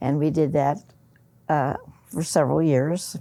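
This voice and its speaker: A woman with an American accent speaks at a fairly slow pace. Her very deep, low pitch has a dark, mellow tone, vocal fry and ordinary pitch variation. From US Midwest, Ohio. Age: 80s+. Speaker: oral history interviewee. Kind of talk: oral history interview. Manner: halting.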